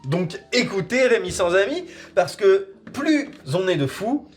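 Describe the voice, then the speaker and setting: A man's voice: sits high, animated, a little slow, over music. A man hosting a casual online review, chatty, with plenty of fillers and offhand swearing. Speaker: host reviewing audio dramas.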